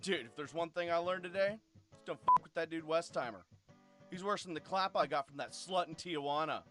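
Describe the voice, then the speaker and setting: A man's voice: fairly high pitch, fairly quick, loud music behind the voice, lightly acted. A man playing a hard-drinking young party-bro soldier in a cartoon, slangy, crude and dramatic. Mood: bitter.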